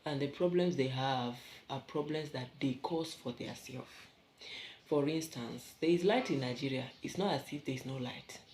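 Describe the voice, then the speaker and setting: A woman's voice: very deep voice, normal speed, a little mellow. A Kenyan woman vlogging from her bedroom, chatting in a rambling way with asides to her viewers. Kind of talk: casual vlog chat. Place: bedroom at home. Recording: echoey room, faint background hum.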